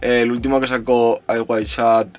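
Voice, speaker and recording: A man's voice: medium pitch, level tone, moderate pace, soft background music. A young man co-hosting a podcast in casual chat, hesitant, often trailing off and restarting. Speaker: podcast co-host.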